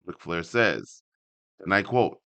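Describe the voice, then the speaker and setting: A man hosting a casual read-along, reading an article aloud and breaking in with animated asides of his own. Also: sits low, slow pace, creaky, dry recording. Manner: animated asides, interrupts himself while reading. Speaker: host reading a wrestling article aloud with commentary.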